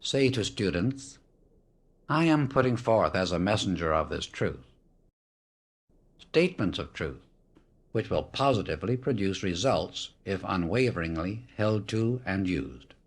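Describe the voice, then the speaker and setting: A man reading a spiritual audiobook as scripted narration, in a solemn, measured, declarative way. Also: low voice, expressive, breathy edge.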